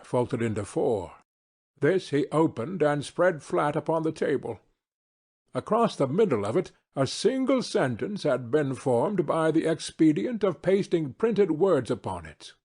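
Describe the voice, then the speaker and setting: Guy reading a classic novel, measured and formal, voice a bit high with a husky edge. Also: big pitch swings, a little mellow. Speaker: audiobook narrator. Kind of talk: scripted literary narration.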